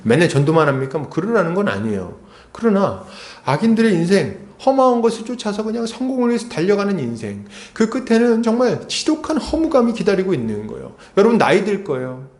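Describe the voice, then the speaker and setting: A man's voice: high voice, big pitch swings, brisk, a little mellow. A man preaching an expository sermon as a pastor, talking conversationally and asking the congregation rhetorical questions. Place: church sanctuary. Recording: echoey church hall.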